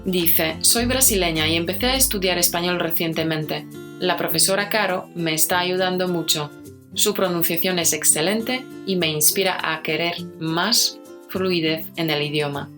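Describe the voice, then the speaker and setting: Spanish-accented woman teacher, podcast host, somewhat low voice, clear delivery over background music. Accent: Spain. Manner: clear, slow explanations.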